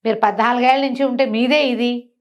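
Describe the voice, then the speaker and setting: A woman's voice: a little high, steady tone, fairly quick. A woman storyteller telling a folk tale conversationally to a listener, explaining as she goes and acting out the characters' dialogue. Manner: colloquial, explanatory, acts out characters' dialogue with asides.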